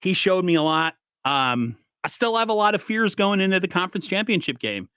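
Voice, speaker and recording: A man hosting a casual sports podcast, talking in an animated, rambling way with frequent restarts. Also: sits high, fairly quick, clean tone, no echo, highs cut off. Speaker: podcast host.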